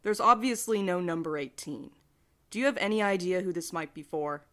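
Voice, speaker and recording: A woman's voice: fairly low pitch, normal speed, fairly bright tone, natural voice. A woman playing a wry, weary, sarcastic young courier in an audio drama. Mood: apologetic, wry.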